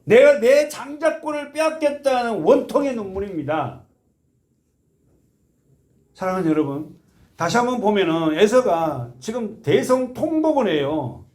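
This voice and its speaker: A man's voice: expressive, a little slow. A man preaching a sermon as pastor, emphatic and full of questions to the congregation, with folksy asides and led group readings. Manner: emphatic, swings between soft low asides and loud impassioned appeals. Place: church sanctuary.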